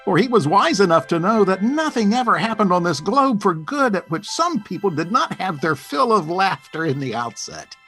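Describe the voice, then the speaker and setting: A theatrical storyteller in a radio play. His voice is fairly high and very expressive, emphatic with dramatic pauses, over faint music. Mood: heartfelt. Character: storyteller of a Christmas tale, emphatic. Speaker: narrator. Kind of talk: theatrical scripted storybook narration.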